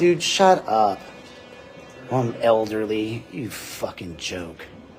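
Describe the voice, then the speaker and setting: A man talks with lively intonation while noticeable background noise and audible room echo fill the recording. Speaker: independent journalist livestreaming at city hall. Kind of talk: angry livestream rant. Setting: outdoors at city hall, live on scene. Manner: loud.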